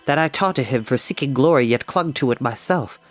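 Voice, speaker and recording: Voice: mid-range voice, expressive, a little fast, faint music behind, natural voice. A reader doing an earnest, gloomy young hero. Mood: solemn. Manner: earnest, grave. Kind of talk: audiobook character voice.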